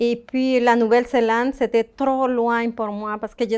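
With a Colombian accent, a woman speaks at a fairly slow pace. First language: Spanish (speaking French). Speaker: immigrant interviewee. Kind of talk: interview. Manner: halting.

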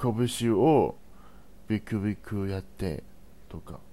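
Speaking at a very slow pace, a man with a dark, mellow tone uses a fairly low pitch and ordinary pitch variation. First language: Chinese (speaking Japanese). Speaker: Japanese learner in reading group. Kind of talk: reading aloud; casual discussion. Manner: halting.

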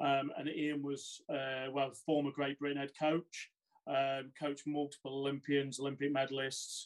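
With an East Midlands accent, a man talks at a moderate pace and a fairly high pitch, his intonation monotone and flat. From Lincolnshire, England. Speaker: swimming club director and coach. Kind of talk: interview.

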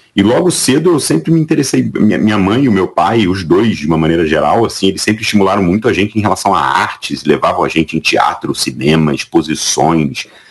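Talking fairly quickly with hardly any pauses, a man swings his pitch very widely over noticeable background noise. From Rio de Janeiro, Brazil. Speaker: crowdfunding platform executive. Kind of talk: interview.

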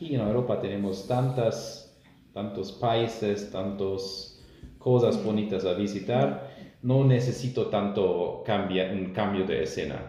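Somewhat breathy and in a German accent, the voice moves at a very slow pace with ordinary pitch variation and audible room echo. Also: man. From southern Germany, near Austrian border. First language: German (speaking Spanish). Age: 30s. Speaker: engineer and language student. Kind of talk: interview. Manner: halting.

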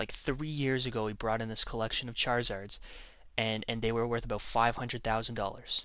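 The voice carries a Canadian accent and a bright, sharp tone. It moves at a fairly quick pace with flat, monotone intonation. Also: man, medium pitch for a man. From Canada. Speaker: podcast host. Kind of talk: casual solo monologue. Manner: halting, with repetitions and fillers.

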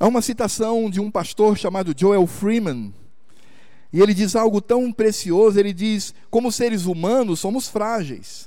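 A man's high voice with a dark, mellow tone, ordinary pitch variation and a fairly slow pace. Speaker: pastor. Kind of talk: sermon, expository preaching. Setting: church, live service. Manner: earnest, didactic, addressing the congregation as brothers; solemn and formal when reading scripture or praying.

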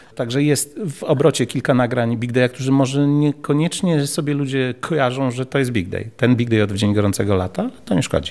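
With hardly any pauses and a fairly quick pace, a man speaks in a plain, everyday voice with ordinary pitch variation. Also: medium pitch for a man. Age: 50s. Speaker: musician. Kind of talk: interview.

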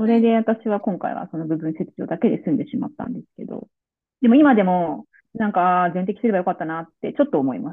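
A woman speaks at a medium pitch and a fairly quick pace, her intonation lively. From Japan, Nagano. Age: 40s. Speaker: hairdresser and makeup artist, cancer patient. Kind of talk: interview. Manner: halting.

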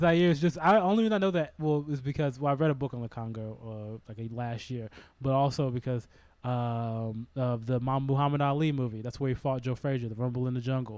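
At a fairly quick pace, a man speaks at medium pitch with ordinary pitch variation in a plain, everyday voice. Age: 20s. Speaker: history podcast co-host. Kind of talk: casual chat.

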